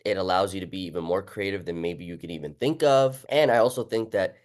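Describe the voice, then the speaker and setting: A man's voice: low voice, quick pace. A man hosting a casual, conversational interview, talking informally with his guest. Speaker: host and book author.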